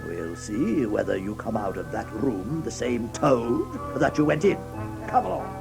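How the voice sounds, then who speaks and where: A gravelly, authoritative badger, stern and solemn, whose voice swings widely as he lays down the law. It is children's radio drama, with faint music underneath. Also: mid-range voice, lively intonation. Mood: grave, reasoning. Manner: deliberate, commanding, hesitating with gruff uhs. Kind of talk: children's audio drama acting.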